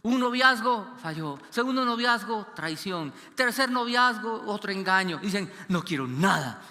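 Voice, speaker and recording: A man preaching a sermon as pastor, animated, acting out quoted voices and dropping low and quiet for serious stories. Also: measured pace. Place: church hall. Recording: long church reverb.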